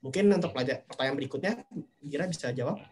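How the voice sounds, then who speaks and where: A man with a voice pitched a little above most men gives a webinar talk for a marketplace company. He explains things step by step, dropping in fillers and "nah" as he goes. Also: rapid-fire. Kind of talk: webinar presentation.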